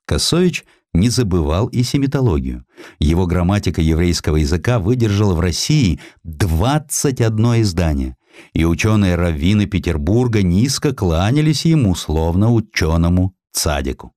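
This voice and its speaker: Lowish-voiced male narrator, very animated intonation. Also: normal speed, no room sound, studio quality. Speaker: audiobook narrator. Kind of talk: expressive scripted historical narration.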